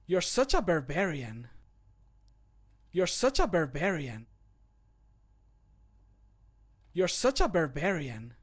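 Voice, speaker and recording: A man voicing a punning, mock-sincere fantasy game character, delivering scripted lines in a deliberate, emphatic way. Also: a little high, sing-song. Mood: teasing scorn.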